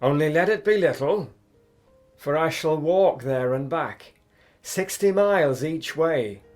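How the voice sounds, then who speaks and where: A woman voicing a kindly but stern old male farmer, speaking slowly and fatherly. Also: low-pitched, animated, a little mellow, faint music behind, pitched below the performer's own voice.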